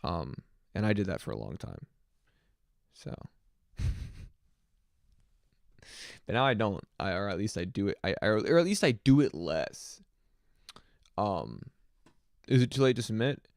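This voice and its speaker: A man's voice: on the low side, sing-song, measured pace, creaky, long pauses, a little mellow, dry recording, clean studio sound. A man in his twenties chatting casually on a music livestream, rambling and reflective with many fillers. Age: 20s. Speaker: music streamer.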